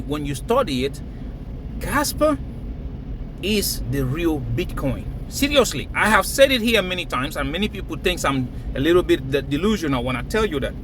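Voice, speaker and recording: A man's voice: high voice, fairly bright tone, slight background noise, low-quality recording. A man from Cameroon, raised in Nigeria, talking emphatically to camera and laughing between phrases. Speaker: crypto vlogger. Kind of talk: casual hype monologue to camera.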